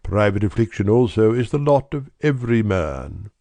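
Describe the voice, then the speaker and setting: A man's voice: on the low side, sing-song, normal speed, dark tone, no room sound. A man voicing a distraught, dignified middle-aged banker pleading his case earnestly. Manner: agitated, earnest, breathless pleading.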